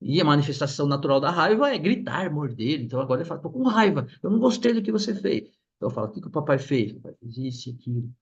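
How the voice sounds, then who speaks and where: A middle-aged man talks through ideas about the mind with animated, lively delivery and a slightly high voice. He keeps breaking into little acted-out quotes. The recording sounds dull and lo-fi. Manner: animated, acts out quoted voices, many restarts. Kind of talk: explanatory talk on psychology.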